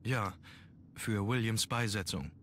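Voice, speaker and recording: Young noble heir, brooding, low voice, grave and measured, adventure game, some background noise. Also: male voice, a bit bright. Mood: guarded. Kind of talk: German video game voice acting.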